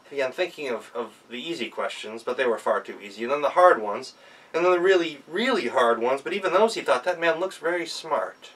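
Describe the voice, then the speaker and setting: An American man performs a folktale as a practiced storyteller. His voice is very lively and bright, full of dramatic pauses and repeated phrases, picked up from slightly away from the microphone. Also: mid-range voice, distant mic, low-quality recording. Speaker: professional storyteller. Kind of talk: animated oral folktale telling.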